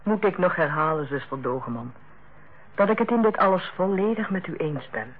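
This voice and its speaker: An actress playing a tactful, composed middle-aged hospital director in a Dutch radio play, speaking in a measured, formal way. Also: female voice, fairly low pitch, animated, husky. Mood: diplomatic, firm. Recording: tinny, narrow-band old radio recording.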